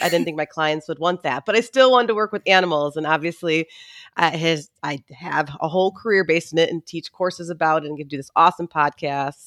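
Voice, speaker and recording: A woman's voice: fairly low pitch, a bit bright, no room sound, studio quality. A woman hosting a podcast, upbeat and chatty, asking long rambling questions. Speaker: podcast host. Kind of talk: casual interview chat.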